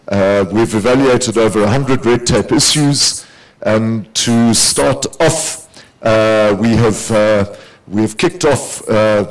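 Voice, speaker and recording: A lowish, gravelly-voiced man gives a steady, explanatory update at a conference panel. He hesitates often, but he keeps a calm, businesslike tone. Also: poor audio. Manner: steady explanatory, many "uh" fillers. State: gravelly voice from overuse. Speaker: panelist, program team leader. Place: conference hall.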